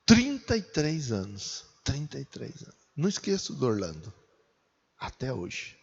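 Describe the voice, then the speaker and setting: A man's voice: medium pitch, wildly swooping pitch, measured pace, gravelly, slightly rough. A Brazilian man in his forties preaching a sermon in a conversational way, asking his listeners rhetorical questions. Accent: Brazilian Portuguese. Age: 40s. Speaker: pastor. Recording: dull, echoey hall.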